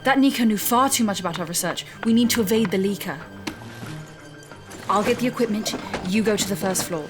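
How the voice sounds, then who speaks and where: A driven, headstrong female scientist played by an actress in a sci-fi audio drama. She speaks assertively and articulately at a middle pitch, with clearly audible music underneath. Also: fairly quick, close to an everyday voice. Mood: urgent, idealistic. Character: driven, headstrong woman scientist, proud and evasive.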